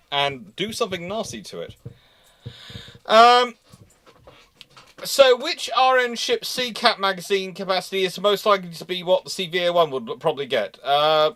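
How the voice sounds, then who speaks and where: A man's voice: medium pitch, fairly bright tone. Discursive man hosting a history talk. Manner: discursive, explanatory, halting mid-thought. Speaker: host of a live naval history show. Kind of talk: live question-and-answer talk with informal commentary.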